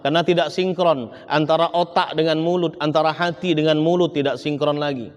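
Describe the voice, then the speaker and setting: A man giving a sermon as an Islamic preacher, often turning to his listeners and swinging between loud emphasis and hushed tones. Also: high voice. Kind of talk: sermon to a congregation. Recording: long hall reverb.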